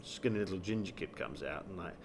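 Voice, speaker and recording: A man's voice: deep voice, lively intonation, quick pace, a little hiss or hum. A man, a comedian chatting playfully and enthusiastically as an interview guest. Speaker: guest, comedian and pantomime actor. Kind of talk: animated interview chat with comic wordplay.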